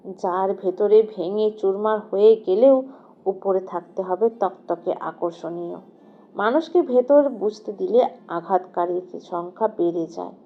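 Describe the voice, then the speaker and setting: A woman reads a novel aloud as a dramatic narrator. Her medium-pitched voice is expressive and shapes literary sentences. The recording sounds a little muffled. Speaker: audio story narrator. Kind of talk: dramatic scripted narration of a sad romance novel.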